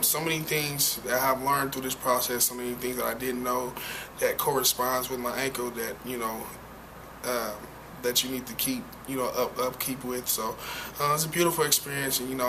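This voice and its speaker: A young man being interviewed as a football player, answering in a halting way with many fillers and restarts. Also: mid-range voice. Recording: noisy background.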